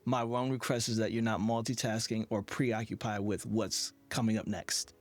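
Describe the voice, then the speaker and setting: A man's voice: lowish voice, little pitch movement, normal speed. A man hosting a podcast interview in a conversational, affirming and reflective way.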